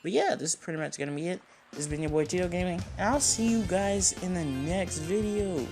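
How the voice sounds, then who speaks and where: A man's voice: high-pitched, fairly quick. A young man giving casual, slangy, rambling game commentary as the host of a gaming video. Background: video game music.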